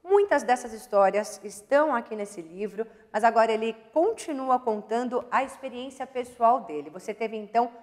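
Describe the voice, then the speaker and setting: A woman's voice: fairly high pitch, normal speed, hardly any pauses, a little mellow, long reverb tail. A woman hosting a TV interview, summarizing the story and leading the guest with questions.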